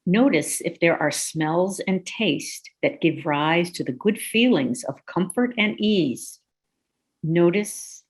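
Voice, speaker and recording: A woman leads a guided meditation, her voice low and unhurried. She speaks softly and gently, giving calm instructions with long pauses. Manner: slow, soothing, gently instructive.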